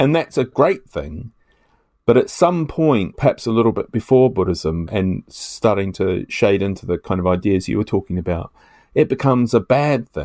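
A dark, mellow tone with very wide pitch swings in a New Zealand accent, dry and close with no echo, on a very clean recording with a silent background. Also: man, medium pitch for a man, moderate pace. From New Zealand, small town. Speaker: Buddhist scholar. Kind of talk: interview conversation.

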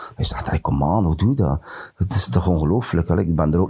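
With a West Flemish accent, a man speaks in a dark, mellow tone with lively intonation. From Belgium, West Flanders (Ingelmunster). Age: 50s. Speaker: former pro cyclist. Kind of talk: casual chat.

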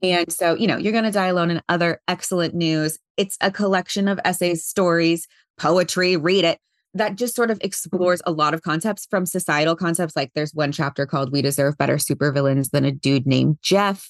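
A woman has a normal speaking voice, fairly low in pitch with ordinary pitch variation and very even loudness. She talks at a fairly quick pace in a dry, close sound with no echo and a quiet background. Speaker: online creator and author. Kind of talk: casual interview conversation.

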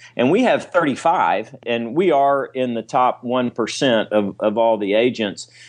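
The background stays quiet as a man speaks. His pitch is medium, with ordinary variation. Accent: Texan. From Texas, Dallas suburbs. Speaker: sports agent. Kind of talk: interview.

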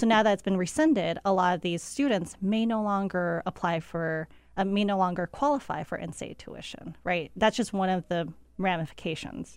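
A woman talks in a normal speaking voice, her pitch medium and varying in an ordinary way, at a moderate pace. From Taiwan, raised in US. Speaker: immigration reporter and DACA recipient. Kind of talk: casual chat. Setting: studio.

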